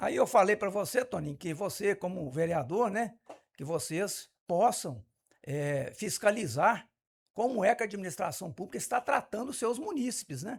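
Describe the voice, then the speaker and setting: A man with a high pitch talks at a moderate speed, his voice making very wide pitch swings. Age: 60s. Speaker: interviewee, grieving son. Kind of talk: interview.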